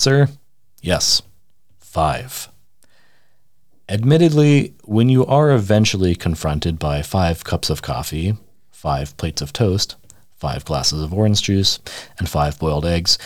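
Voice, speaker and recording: Very low voiced guy reading a funny essay, deadpan and mock serious, dry close sound. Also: moderate pace, dry recording. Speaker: radio essayist. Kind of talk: humorous essay read aloud.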